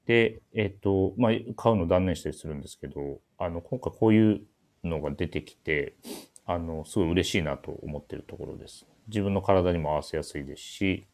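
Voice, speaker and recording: A man with a very deep voice hosts a menswear shop's radio show. He introduces clothes in a casual but polite way. He often hesitates and thinks aloud as he goes. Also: a little fast, darkish tone.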